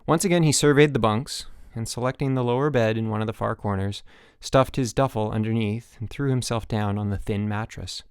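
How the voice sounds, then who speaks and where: A man's voice: on the low side, a little fast, smooth, no room sound, studio quality. A man narrating fiction as a scripted audiobook reading.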